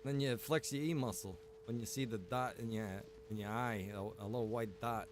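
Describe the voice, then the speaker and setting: A man chatting casually in game roleplay, repeating himself and pausing as he talks. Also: medium pitch, background noise. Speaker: roleplay game streamer and server developer.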